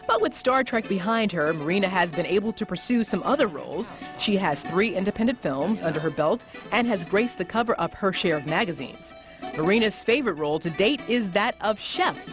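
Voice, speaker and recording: A woman's voice: mid-range voice, expressive, brisk. A woman host delivering scripted narration for a TV show in a polished, upbeat way. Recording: music bed under the voice.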